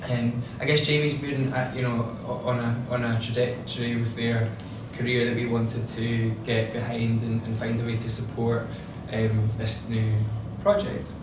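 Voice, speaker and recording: A man with a strong Scottish accent giving an informal public talk as a curator, chatty and halting, often repeating words. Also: mid-range voice, completely flat delivery. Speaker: gallery curator co-presenting an exhibition tour. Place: indoor gallery space. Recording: very echoey room, distant mic, noisy.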